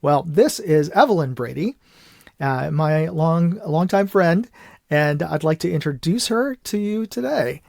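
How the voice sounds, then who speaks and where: A middle-aged American man hosting a casual live chat, speaking haltingly and often repeating himself. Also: on the high side, lively intonation, gravelly, darkish tone, no room sound, studio quality. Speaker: live show host. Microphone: USB microphone.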